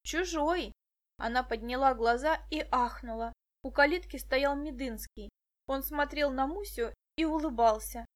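A woman narrating an audiobook in a lively, expressive way. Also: high voice, normal speed. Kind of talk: scripted narration.

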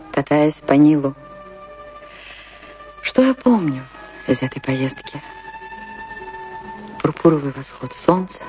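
A woman's voice: sits low, mellow. An actress playing a romantic, anguished woman dancer who tells her tragic love story in a theatrical, emotive radio monologue. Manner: theatrical, wistful, emotive delivery with dramatic pauses. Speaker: actress narrating a radio play. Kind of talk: dramatic first-person radio play monologue. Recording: radio play with music behind.

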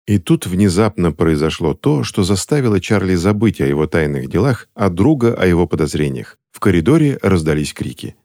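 A man narrating a fantasy audiobook in an animated storytelling manner, voicing each character himself. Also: deep voice, brisk, hardly any pauses.

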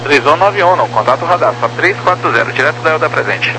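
A man's voice: fairly high pitch, lively intonation, fast. A Brazilian man speaking on air traffic control radio in clipped procedural phrases. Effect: aviation radio. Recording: noisy radio with hum.

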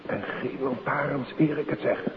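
A Dutch actor playing a brisk, commanding police inspector in a 1950s radio play. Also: male voice, medium pitch, steady tone, crowd noise, lightly acted. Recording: tinny, hissy 1950s radio recording.

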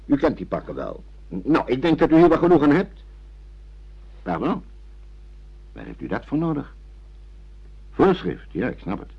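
A man's voice: mid-range voice, wildly swooping pitch, moderate pace, pauses often, slightly rough, exaggerated voice. An actor playing a blustering, exasperated father in a radio drama, pompous and theatrical. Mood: flustered. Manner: blustering, hesitant when pressed, theatrical. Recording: dull lo-fi radio play recording.

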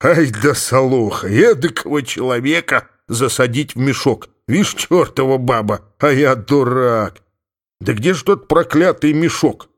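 A male audiobook reader voices a gruff, middle-aged Cossack father, grumbling and exclaiming indignantly in a mid-range voice. The character comes across as stubborn and suspicious, always muttering to himself, and the animated, slightly slow storybook delivery stays close to the reader's natural voice.

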